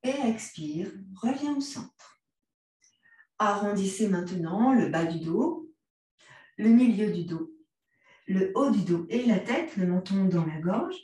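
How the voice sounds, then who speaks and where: Slow, calm French woman guiding yoga. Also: medium pitch. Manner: calm, gentle cues, mixes vous and tu. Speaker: yoga instructor. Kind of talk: guided yoga class instruction. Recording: very echoey room, voice from a distance.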